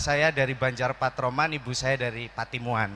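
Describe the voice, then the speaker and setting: A man talks at a fairly quick pace in a fairly high pitch. His tone is bright and sharp. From Cilacap, Central Java. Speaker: hypnotherapist and hypnosis instructor. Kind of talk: seminar lecture.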